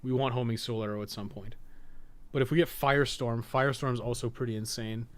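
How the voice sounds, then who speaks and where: Speaking a little fast in a mid-range voice with fairly level intonation, a man muses casually through gameplay. The podcast co-host and guide writer poses questions to himself and wanders into asides.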